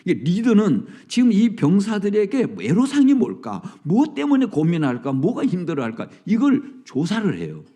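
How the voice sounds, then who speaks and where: A male pastor preaching a sermon at an early morning prayer service, dramatic, dropping to whispers and rising to loud lines. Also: sits high, huge pitch swings, normal speed, hardly any pauses.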